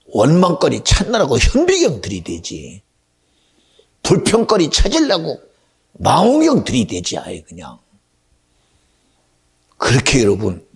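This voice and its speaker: A male pastor preaching a sermon in church, swinging between hushed whispers and shouted outbursts. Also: medium pitch, gravelly, husky. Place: church sanctuary.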